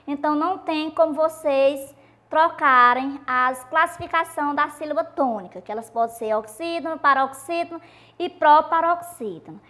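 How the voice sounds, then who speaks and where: A woman teacher with a Brazilian Portuguese accent walks students through a recorded lesson in a high, bright voice. She explains patiently and repeats herself, slowing down to stress each syllable of her example words.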